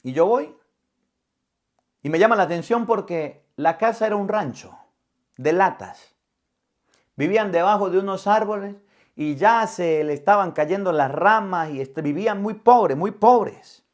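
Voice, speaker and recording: High-voiced priest telling a story. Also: male voice, animated, unhurried. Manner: vivid storyteller who acts out dialogue. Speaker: Catholic priest. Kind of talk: sermon with personal storytelling.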